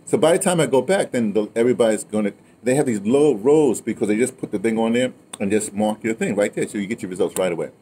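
A man in his sixties with an American accent, chatting casually and telling stories in a digressive, animated way. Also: lowish voice, quick pace, few pauses. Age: 60s. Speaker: host of an audio memoir channel. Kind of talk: casual storytelling chat. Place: outdoors on a patio in daylight. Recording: outdoor ambient noise.

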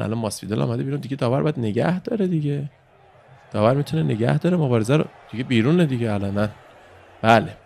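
A man's voice: fairly low pitch, vocal fry, a little mellow. A man giving casual play-by-play commentary on an old fight as the channel's host, explaining moves and drifting into chatty asides.

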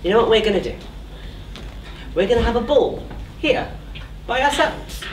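A woman's voice: fairly high pitch, animated, normal speed, natural voice. A woman playing an earnest, loyal young servant lad in a comic amateur pantomime. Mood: indignant, encouraging. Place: theatre stage, recorded from far off. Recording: very noisy echoey stage, distant mic.

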